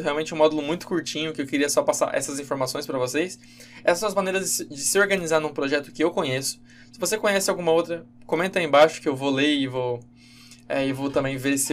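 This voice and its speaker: A man giving a casual, halting screen-recorded programming lesson, with many fillers and self-corrections. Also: on the high side, a little hiss or hum. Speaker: game development instructor.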